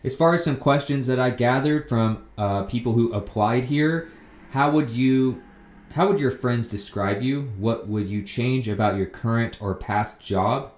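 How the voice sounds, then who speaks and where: A man's voice: medium pitch, measured pace, darkish tone, echoey room. A man hosting a job tips video, reading out listings and explaining them plainly in a casual narrating style.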